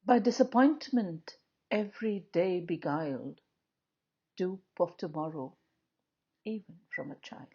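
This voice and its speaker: A woman reciting poetry in a solemn, dramatic, measured style, pausing often between short phrases. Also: lowish voice, mellow, slightly rough, lo-fi sound. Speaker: poetry reader.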